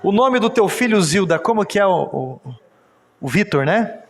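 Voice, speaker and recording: A Brazilian pastor telling a testimony in a church service sermon, moving from storytelling to emphatic exhortation. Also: male voice, sits high, animated, moderate pace. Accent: Brazilian Portuguese. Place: church sanctuary. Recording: church hall reverb.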